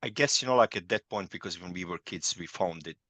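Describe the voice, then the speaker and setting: A man in his forties from Serbia, a native Hungarian speaker, talking haltingly as an interview guest with many fillers. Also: sits low, pushed and bright, no room sound, dull audio. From Yugoslavia (Serbia). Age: 40s. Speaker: guest, transformation director. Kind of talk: casual interview talk.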